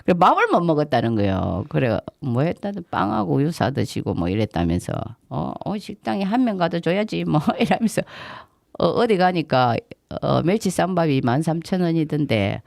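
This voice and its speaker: A middle-aged woman with a Gyeongsang accent, co-hosting a community radio show and telling stories in an animated way, acting out the voices of people she quotes. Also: low voice, normal speed, creaky, no room sound, clean studio sound. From Namhae, South Korea. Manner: animated retelling, acts out quoted dialogue. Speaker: radio co-host and tour guide. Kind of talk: casual radio chat, storytelling. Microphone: studio microphone.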